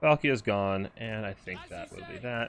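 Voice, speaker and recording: There is music in the background as a man talks in a fairly low voice. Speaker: video game streamer. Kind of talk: live gameplay commentary. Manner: soft-spoken.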